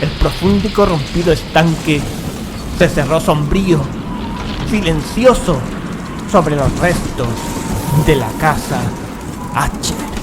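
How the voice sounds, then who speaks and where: An actor playing a horrified gentleman who recounts a gothic tale in solemn, measured, dramatic narration. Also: fairly high pitch. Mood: solemn dread. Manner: solemn, literary, measured phrasing. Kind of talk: dramatic scripted horror narration. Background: dramatic music.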